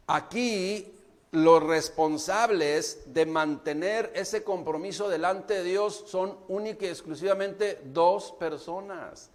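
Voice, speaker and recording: High-voiced Mexican preacher man. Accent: Mexican Spanish. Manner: preaching, addresses the congregation directly. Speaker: pastor. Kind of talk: sermon.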